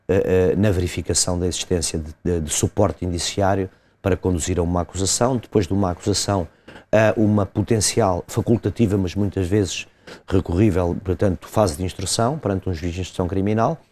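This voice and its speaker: A man, a lawyer explaining a legal case step by step in an interview, pausing and hesitating often. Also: low voice, a little mellow, a little hiss or hum. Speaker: lawyer commenting as guest.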